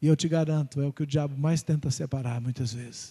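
Against a quiet background, a man speaks at a moderate pace in a somewhat breathy voice with a dark, mellow tone and fairly high pitch. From Brazil. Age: 50s. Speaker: pastor. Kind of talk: sermon. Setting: church. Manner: animated. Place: church. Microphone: handheld.

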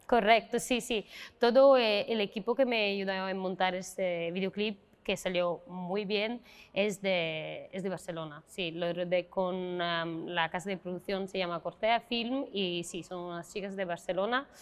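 Speaking at a fairly slow pace, a woman talks with an Italian accent. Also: ordinary pitch variation. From Italy. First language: Italian (speaking Spanish). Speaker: singer; interviewee. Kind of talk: interview. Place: hall.

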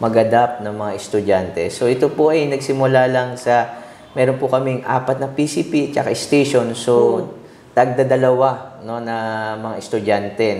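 Audible room echo surrounds a man speaking at a fairly slow pace with fairly even intonation. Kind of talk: interview answer. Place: office. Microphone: camera far.

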